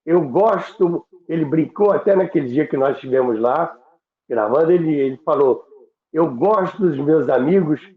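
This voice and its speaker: Slow-spoken Brazilian man, phone-like sound. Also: fairly high pitch. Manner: halting, repeats words for emphasis. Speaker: radio history show host. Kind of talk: reminiscing in conversation. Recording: roomy, phone-like connection.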